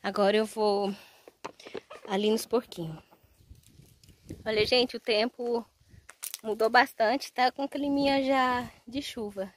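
A woman films her farmyard on a handheld phone, chatting casually and speaking straight to her viewers. Her voice sits a little high, and a faint outdoor hiss with animal sounds runs underneath. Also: steady tone, slow, pauses often. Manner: chatty, keeps addressing viewers directly. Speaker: vlogger. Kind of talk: casual farm vlog.

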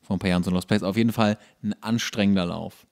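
A man's voice: fairly low pitch, steady tone, quick pace, vocal fry, a little mellow. A man co-hosting a podcast, talking in a dry, matter-of-fact way with some hesitation. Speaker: podcast co-host. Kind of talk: casual chat. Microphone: studio microphone.

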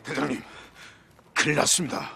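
An actor playing an urgent, aggrieved male follower in a historical war drama, with a husky, gravelly voice. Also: a little high, steady tone, moderate pace, over music. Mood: alarmed. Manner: urgent, pleading.

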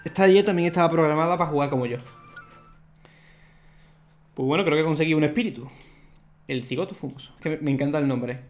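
A young man, chatting excitedly and laughing often as he plays through a video game. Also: fairly high pitch, quick pace, long pauses. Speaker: gaming YouTuber. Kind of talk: let's play commentary. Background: faint game music.

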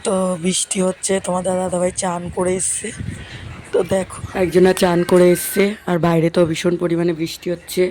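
A woman vlogger with a hoarse voice from a cold, chatting casually to her viewers and repeating herself. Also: fairly low pitch, flat delivery, fairly quick, warm tone, slight background noise. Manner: chatty, repetitive, addresses viewers directly. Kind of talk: casual vlog narration to viewers.

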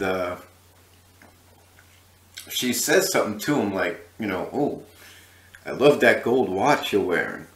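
A man's voice: lowish voice, fairly bright tone. A man casually retelling a story as a video host, rambling with fillers and asides. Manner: rambling, many fillers and asides, laughs at his own story. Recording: echoey room.

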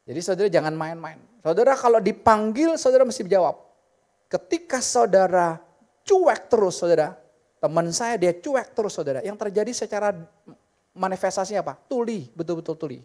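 Animated woman preaching a sermon. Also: mid-range voice, fairly quick. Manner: animated, joking, addresses the congregation directly. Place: church service.

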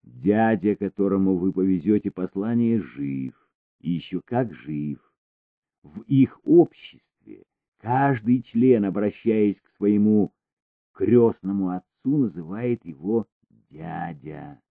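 A calm male handler speaks softly and reassuringly, his voice low and steady, as a man reading the book puts him on. The recording is dry and tinny, like a phone line. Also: slow pace, dry recording, full character voice. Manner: soft, reassuring.

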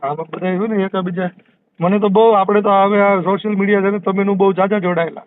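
A man's voice: high-pitched, steady tone, fast talker, clear, resonant tone, dry recording. A man with a Kathiawadi Gujarati accent chatting casually on a phone call. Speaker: community activist. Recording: muffled lo-fi phone call recording.

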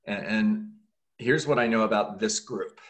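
Lowish-voiced middle-aged male group host. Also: measured pace, a bit bright. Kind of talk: motivational group facilitation. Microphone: computer mic on a video call, no headset.

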